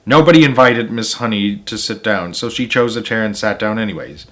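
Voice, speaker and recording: A man's voice: on the low side, fairly quick. A man reading a children's book aloud as the narrator of a storytime show. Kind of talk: children's book read-aloud with casual asides.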